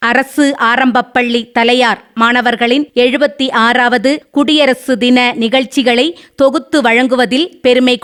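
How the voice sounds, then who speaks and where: A woman with a fairly high, clear, smooth voice introduces the programme in flowery, declamatory style. Her delivery is formal and polished. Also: fairly bright tone. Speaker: programme compere. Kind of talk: formal stage compering.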